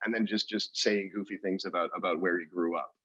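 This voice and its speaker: A man's voice: deep voice, steady tone, brisk, a bit bright, slightly rough, dry recording, lo-fi sound. A man co-hosting a podcast, telling a story in casual chat with lots of restarts and fillers. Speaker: podcast co-host.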